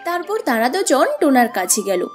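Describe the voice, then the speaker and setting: A woman's voice: sits high, big pitch swings, moderate pace, soft background music. A woman giving scripted narration for a children's cartoon story.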